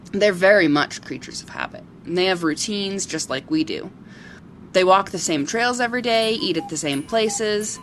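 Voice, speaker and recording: A woman acting as a sincere local television reporter in a radio drama. Her delivery is measured and story-like, with faint noise on the homemade recording. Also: deep voice, a bit bright, low-quality recording. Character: sincere female local TV reporter who loves wild creatures. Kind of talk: amateur audio drama dialogue.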